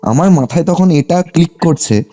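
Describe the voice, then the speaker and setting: Over background music, a young man speaks on a muffled, lo-fi call. His voice is very mellow yet sits a little high for a man. He has a West Bengal Bengali accent and tells his story conversationally, checking often that the listener is following. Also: moderate pace. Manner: animated telling, often seeking confirmation with short tags. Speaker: caller telling a personal ghost story.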